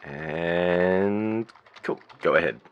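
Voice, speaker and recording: Deep-voiced man relay operator. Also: clean tone, muffled recording. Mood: businesslike, polite. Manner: matter-of-fact, courteous, halting while typing. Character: polite, businesslike relay service officer speaking for a caller. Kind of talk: phone call on a radio drama.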